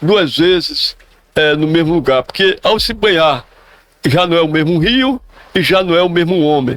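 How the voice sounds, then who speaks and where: The man speaks at a high pitch and a fairly slow pace. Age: 70s. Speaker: interview guest. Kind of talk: interview conversation. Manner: measured, reflective.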